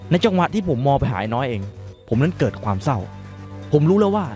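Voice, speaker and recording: A man's voice: on the high side, sing-song, fast, a little mellow, faint music behind. A man telling a dramatic first-person story in colloquial speech, emphatic and suspenseful.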